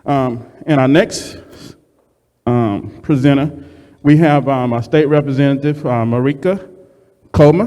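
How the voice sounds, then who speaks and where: A man hosting a meeting and introducing speakers, speaking haltingly with many ums and restarts. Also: fairly high pitch, warm tone. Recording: reverberant meeting hall.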